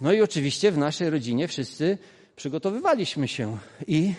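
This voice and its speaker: Over a quiet background, a man talks in an ordinary speaking voice at a fairly high pitch, with lively intonation and a moderate pace. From Poland, Kashubia. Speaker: preacher. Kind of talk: sermon. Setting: church service.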